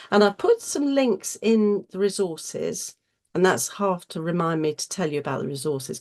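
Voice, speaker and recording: A woman chairing an online session in a chatty, effusive way, her voice husky from a cold. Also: sits low, a little mellow. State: getting over a cold. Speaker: host chairing an online webinar. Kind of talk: informal presenter's welcome and introductions.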